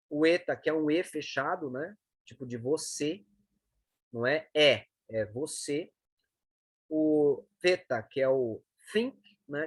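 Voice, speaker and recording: A man's voice: fairly high pitch, no echo. A man giving a lesson, walking through letters and checking in with the listener often. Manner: explanatory, frequent checking tags like "né" and "tá". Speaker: teacher. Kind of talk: lesson on reading the Greek alphabet.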